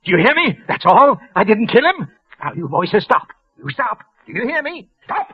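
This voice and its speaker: A man's voice: high voice, sing-song, normal speed, slightly rough, no room sound, heavily acted. An actor playing a guilt-crazed male office killer who hears voices, in 1940s radio acting, with a frantic, stammering, paranoid manner, on a muffled old radio broadcast.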